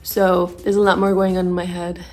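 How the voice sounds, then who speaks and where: Faint music plays behind a woman whose low, darkish voice stays fairly flat in pitch as she talks briskly. In a candid vlog to camera, she thinks aloud about her freediving course, sounding stuffy and congested.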